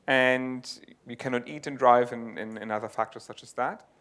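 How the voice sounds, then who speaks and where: A man stands before an audience presenting his research, his voice bright and forward. He explains step by step, often restarting a phrase as he thinks aloud. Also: medium pitch, fairly even intonation, normal speed. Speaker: conference speaker. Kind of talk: tech talk and audience Q&A. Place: lecture venue.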